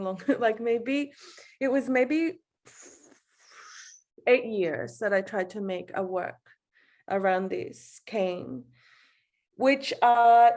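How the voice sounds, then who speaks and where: A woman from El Salvador giving an informal, personal artist's talk over a video call, halting and self-deprecating, often laughing as she speaks. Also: mid-range voice, a little mellow. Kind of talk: informal personal reflection in an online panel.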